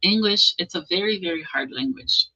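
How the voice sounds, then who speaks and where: A woman's voice: on the low side, expressive, normal speed, bright, forceful tone, highs cut off. A woman hosting a motivational livestream, encouraging her viewers, often checking in with "okay?" and reading out their comments. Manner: reads out and answers viewer comments. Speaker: livestream host.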